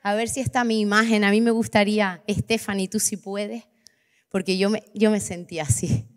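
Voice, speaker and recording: A woman, preaching and giving her testimony, impassioned, slowing down on key words for emphasis. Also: mid-range voice, little pitch movement. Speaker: preacher leading a church workshop. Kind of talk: sermon with personal testimony. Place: church hall. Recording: long reverberant church hall.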